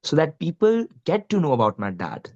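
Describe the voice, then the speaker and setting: A young man with an Indian Punjabi accent, a guest musician in a casual interview, talks earnestly and easily, dropping plenty of "you know" and "like." His voice sits on the high side with wildly swooping pitch, a moderate pace and a slightly mellow quality. The recording is muffled.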